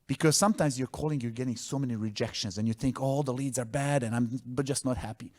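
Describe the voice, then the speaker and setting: An energetic man gives a conference talk into a stage microphone, his voice sitting at an ordinary middle pitch. His English has non-native phrasing, and he keeps slipping into short acted-out quotes. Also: quick pace. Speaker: startup founder presenting to an audience. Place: event stage.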